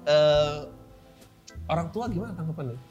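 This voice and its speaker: A man hosting a casual podcast interview, bantering in slang and laughing loudly. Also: on the high side, moderate pace, highs cut off, faint music behind. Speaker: podcast host.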